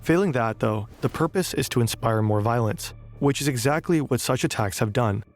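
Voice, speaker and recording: A man giving measured, scripted documentary narration. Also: medium pitch, animated, soft background music.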